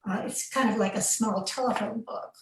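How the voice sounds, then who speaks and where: A woman on a panel explaining her preservation research in a steady, matter-of-fact way. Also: a little high, normal speed, background noise. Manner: explanatory, with fillers. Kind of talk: panel discussion. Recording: echoey distant room sound.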